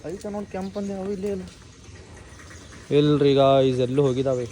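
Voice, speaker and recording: High-voiced North Karnataka man vlogging, some noise. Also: animated, brisk, warm tone. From Karnataka, India. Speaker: YouTube vlogger. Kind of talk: casual vlog chat to viewers.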